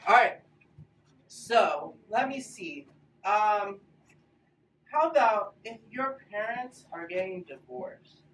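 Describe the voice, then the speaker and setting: A woman teaching a children's Bible class in a playful, animated way, coaxing the kids to join in. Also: mid-range voice, slow, recorded from a distance. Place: large echoey room with a group of children. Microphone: camera at a distance. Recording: roomy echo, recorded from afar.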